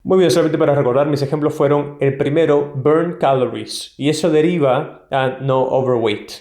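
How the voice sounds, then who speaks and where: In this test-prep video, the teacher is a man whose Latin American Spanish accent colors his clear, emphatic explanations, punctuated by "ok?" check-ins. His voice leans high with a darkish tone at a moderate pace.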